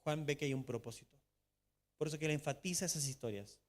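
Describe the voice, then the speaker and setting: A Chilean man preaching a sermon as pastor, reading scripture emphatically and slowing down to stress key words. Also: a little high. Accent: Chilean Spanish. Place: church sanctuary. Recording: long church reverb.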